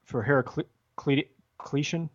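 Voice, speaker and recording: A man's voice: a little high, drawn-out words. Podcast host guy, kinda hesitant, keeps correcting himself, muffled lo-fi audio. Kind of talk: casual book discussion.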